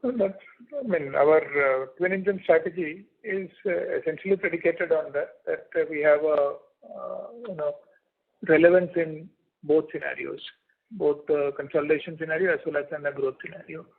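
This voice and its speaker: A man answering analysts' questions as a company executive on an earnings call, in a halting, measured, deliberate way. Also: on the high side, fairly even intonation, gravelly, husky. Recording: muffled, lo-fi conference call audio.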